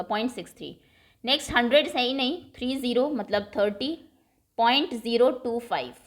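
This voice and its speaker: A woman teacher walks through a maths lesson at an unhurried, patient pace. Her voice sits a little on the high side, and she keeps checking in with a quick "okay?". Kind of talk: classroom lesson explanation.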